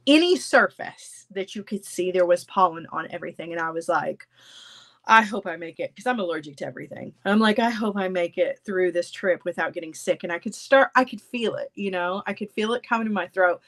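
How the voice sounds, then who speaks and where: A woman's voice: lowish voice, a little fast. Congested woman chatting on a livestream. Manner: chatty, animated, gestures with hands. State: congested, stuffy nose. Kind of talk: casual live chat with viewers. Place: home craft room, indoors.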